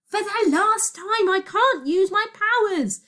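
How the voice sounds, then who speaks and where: A bossy young immortal girl, played by a woman narrator, shrill and exasperated. The voice is high, insistent and very animated, as in a children's adventure storybook. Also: a little fast. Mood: exasperated, urgent.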